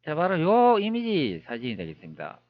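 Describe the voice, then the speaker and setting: A man's voice: a little high, huge pitch swings, normal speed, dry recording, highs cut off. A man talking viewers through old images on screen, wondering aloud with many rhetorical questions. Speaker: history video creator. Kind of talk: screen-recorded commentary.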